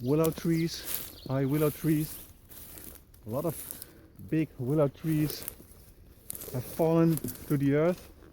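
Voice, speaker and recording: Against noticeable background noise, a man with a Dutch accent speaks at a fairly high pitch and a fairly slow pace, using fairly even intonation and long, frequent pauses. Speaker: outdoor adventure vlogger. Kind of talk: casual vlog narration. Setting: outdoors. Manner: hesitant, many fillers; lowered voice.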